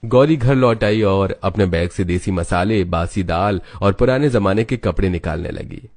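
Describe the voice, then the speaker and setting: A male narrator reads a scripted animated family story. His voice sits fairly low and he keeps a steady storytelling pace. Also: moderate pace.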